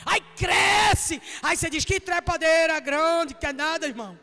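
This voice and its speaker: Woman preacher, Northeastern Brazilian accent, jokey and chatty with shouted peaks, ringing church hall. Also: extremely high pitch, unhurried. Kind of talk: lively humorous sermon.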